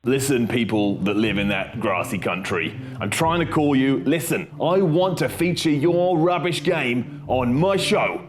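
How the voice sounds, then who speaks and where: A man's voice: mid-range voice, expressive, measured pace, few pauses, noisy background. Brash man leaving a voicemail. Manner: brash, pompous and demanding. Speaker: comedy show host. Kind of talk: comic sketch.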